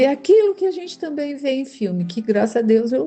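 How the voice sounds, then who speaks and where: A woman with a high voice speaks at a moderate pace, her pitch swinging very widely. Music plays in the background. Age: 60s. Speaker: spiritist lecturer. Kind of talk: religious study talk. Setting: at home. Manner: conversational.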